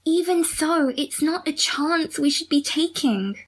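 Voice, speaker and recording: A woman's voice: high voice, measured pace. A woman playing a stern, bossy, condescending young twin sister in an audio drama.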